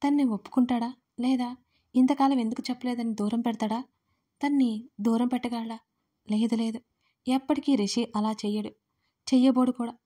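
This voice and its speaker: A woman narrating an audio drama series in steady, emotive storytelling. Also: on the high side, normal speed, pauses often.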